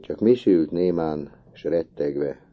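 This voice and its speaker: A man reading a classic novel aloud as an audiobook narrator, measured and expressive. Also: very deep voice, muffled recording.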